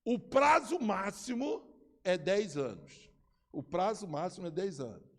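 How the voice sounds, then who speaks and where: A Brazilian pastor in his fifties with a Brazilian Portuguese accent, preaching an animated, joking sermon with acted-out voices in a church. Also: high-pitched, measured pace. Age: 50s. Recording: long reverb in a large hall.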